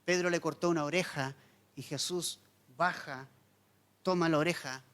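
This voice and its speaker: A man preaching a sermon as pastor, telling the story dramatically with wide swings between loud emphasis and hushed lines. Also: on the high side, steady tone, normal speed. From Chile.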